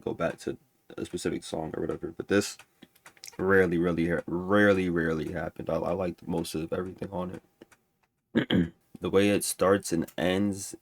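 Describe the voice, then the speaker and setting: A man's voice: low-pitched, dry recording. A man with a stuffy nose ranking music albums in casual, rambling talk full of restarts and fillers. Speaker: music reviewer.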